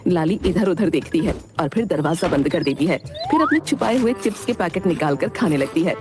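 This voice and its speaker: A woman narrating a cartoon story in a measured, expressive scripted way. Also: lowish voice. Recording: loud background music.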